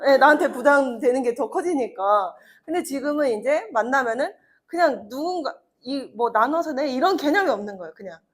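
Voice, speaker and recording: High-voiced Korean woman telling stories. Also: animated, a little fast. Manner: chatty storytelling with laughs and acted quotes. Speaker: network marketing speaker. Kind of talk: motivational talk to an audience.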